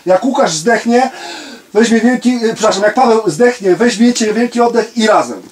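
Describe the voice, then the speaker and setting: A man directing actors in a recording studio, briskly counting in takes and joking. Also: sits high, a little mellow. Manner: brisk, joking, giving cues. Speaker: audiobook director. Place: studio control room.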